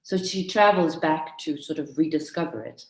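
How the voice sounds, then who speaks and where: A woman from Denmark, a writer and guest, answering interview questions in English in a calm, measured, articulate way. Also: low-pitched, roomy sound, rough recording. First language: Danish.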